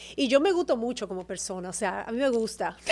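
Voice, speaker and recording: Her delivery is very fast. The woman's intonation stays lively throughout. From Dominican Republic. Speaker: TV presenter and actress. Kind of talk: interview conversation.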